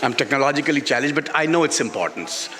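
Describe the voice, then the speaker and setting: A man with a Pakistani accent speaks off the cuff as an interviewed author. His voice is bright and forceful at an average male pitch, and he halts, restarts and repeats phrases for emphasis. The sound rings with long reverb, as from a public-address system. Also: lively intonation, fast. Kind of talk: unscripted on-stage literary interview. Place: literature festival stage before an audience.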